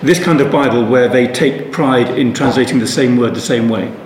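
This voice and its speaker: A man's voice: medium pitch, normal speed. A man giving an unscripted Bible study talk, rambling thoughtfully with many restarts and asides. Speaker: Bible teacher. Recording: echoey room with faint ambient noise.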